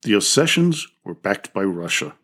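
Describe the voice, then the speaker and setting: Man, podcast host, somewhat low voice, scripted history narration, small slips and restarts. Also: very animated, normal speed, a bit bright, husky. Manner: reads from a script with small slips and self-corrections.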